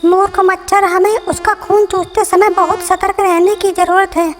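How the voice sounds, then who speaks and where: A woman's voice: very high voice, level tone, moderate pace, faint music behind. A woman voicing a bossy, territorial male bedbug in a children's cartoon, talking in a scolding tone. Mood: lecturing. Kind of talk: cartoon voice acting.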